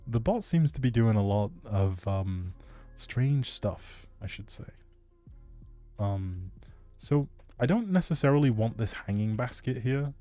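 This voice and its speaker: A man's voice: on the low side, lively intonation, measured pace, dark tone. A man hosting a casual gaming livestream, chatting with viewers in a rambling, hesitant way and often trailing off. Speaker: livestream gamer host. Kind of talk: casual chatty livestream commentary, replying to chat. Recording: music playing behind the voice. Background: background music.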